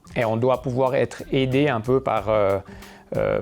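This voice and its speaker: With music in the background, a man speaks in a monotone, flat intonation. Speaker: property management company director. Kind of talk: interview answer. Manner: calm, reassuring.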